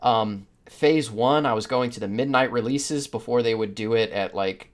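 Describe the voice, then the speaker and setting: A man's voice: mid-range voice, normal speed. A man hosting a podcast in casual discussion, rambling through his opinions with the odd chuckle as he talks. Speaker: podcast host.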